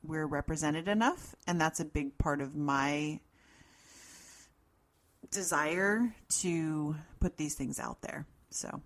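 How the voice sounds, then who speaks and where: A middle-aged woman with a deep voice, co-hosting a podcast in casual banter with dry, understated interjections. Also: slow pace. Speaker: podcast co-host.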